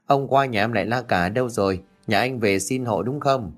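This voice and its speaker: A man voicing an anxious young daughter-in-law with a hurried, pleading way of speaking. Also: mid-range voice, faint music behind, lightly acted. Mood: polite.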